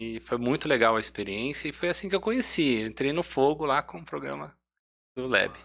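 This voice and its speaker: Vocal fry runs through a man's speech, which has lively intonation at a moderate pace. The recording is very clean, with a silent background. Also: medium pitch for a man. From northern Paraná, Brazil (Londrina region). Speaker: business consultant and lecturer. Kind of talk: casual interview chat. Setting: studio.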